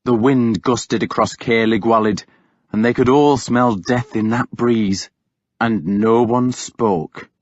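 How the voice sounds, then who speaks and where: A man narrating a novel in the first person with a dramatic, deliberate delivery. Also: mid-range voice, no room sound, dull audio. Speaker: audiobook narrator.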